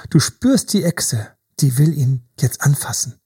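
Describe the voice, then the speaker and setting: A man's voice: fairly high pitch, animated, measured pace, dark tone, husky. A man talking as a relationship coach in casual podcast conversation, emphatic and repetitive, building vivid images.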